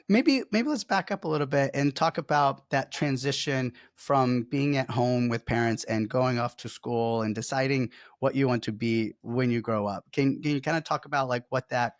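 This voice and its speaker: A man's voice: medium pitch, no room sound, studio quality. A man hosting a podcast and interviewing a guest in a conversational style. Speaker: podcast host.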